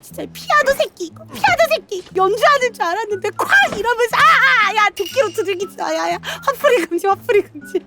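A young woman streaming a horror game, loud and excitable, joking as a panicked husband and often shrieking. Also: extremely high pitch, a little fast, few pauses. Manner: comic, playing a panicked husband. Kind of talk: live game streaming commentary.

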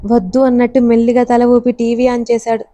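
A woman narrating a story in an even, measured reading. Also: a little high.

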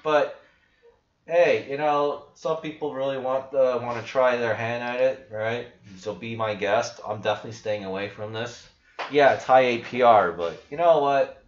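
The young man behind a crypto channel speaks over his screen share in a mid-range voice at a moderate pace. His delivery is casual, skeptical and blunt, rambling with frequent restarts, and the small room he's in makes the recording echoey, dull and lo-fi.

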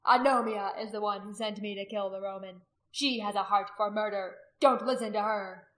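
A woman voicing a defiant male tribal warrior in an audiobook, blunt and forceful, crying out his words. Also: mid-range voice, fairly even intonation, a little slow, reverberant, lightly acted. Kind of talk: dramatic audiobook character acting.

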